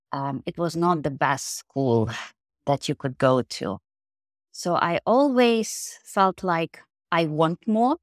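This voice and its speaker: A woman in her thirties with a Ukrainian accent speaks in a very low voice. She talks thoughtfully and casually, often pausing on "you know." The sound is dry and close. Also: dry recording. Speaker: podcast guest, mindfulness coach. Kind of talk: casual interview talk.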